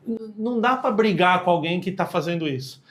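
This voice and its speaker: A podcast guest who works as a communication expert chats in a slangy, casual way with a Brazilian accent, acting out quoted lines in different voices. His voice sits high, sounds a bit bright, and moves briskly and animatedly.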